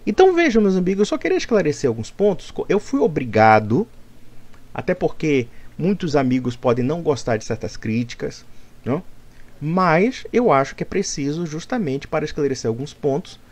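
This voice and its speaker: A man's voice: fairly high pitch, very animated, moderate pace, darkish tone. A man delivering an argumentative, lecturing rebuttal monologue. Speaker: commentator.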